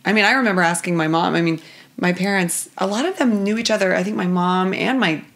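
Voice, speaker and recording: A woman guest talking casually about her life in a kitchen, her voice a bit raspy, chatty and reflective with many fillers. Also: on the low side, fast talker, fairly bright tone. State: slightly raspy voice. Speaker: guest, actress. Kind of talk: casual podcast chat.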